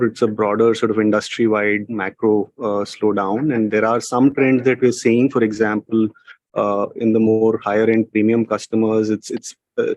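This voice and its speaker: A man speaking as a company executive, explaining things in a halting, unscripted answer on an earnings call. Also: fairly low pitch, a little mellow, no room sound.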